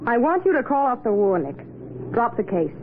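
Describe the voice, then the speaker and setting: A woman's voice: on the high side, big pitch swings, normal speed. An actress playing a cunning female crime boss in a 1940s radio drama, insistent and driving a hard bargain. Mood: coaxing, insistent. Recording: noisy, tinny vintage radio recording.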